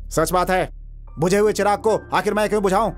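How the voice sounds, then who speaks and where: A man's voice: high voice, steady tone, brisk, soft background music, close to an everyday voice. Style: film dub. Figure: a man voicing a taunting gangster villain. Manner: taunting, mocking. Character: arrogant threatening male gangster villain.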